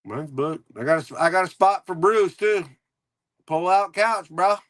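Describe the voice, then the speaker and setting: A man's voice: sits high, expressive, normal speed, fairly bright tone, dry recording. A man co-hosting a casual talk show, rambling and laughing as he tells stories and repeats himself. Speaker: co-host. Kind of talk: casual chat.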